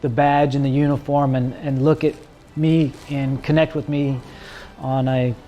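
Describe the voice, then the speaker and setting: A man's voice: mid-range voice, little pitch movement, a little slow, lo-fi sound, faint music behind. A man, a police officer and father, speaking openly and personally in an interview. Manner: warm-hearted, personal, open. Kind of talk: recruitment video interview.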